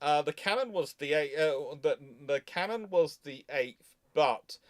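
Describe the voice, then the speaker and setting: A man's voice: on the high side, animated, a little slow, a loud crowd. A man hosting a casual live discussion, explaining things in an emphatic way. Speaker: host of a live naval history Q&A stream.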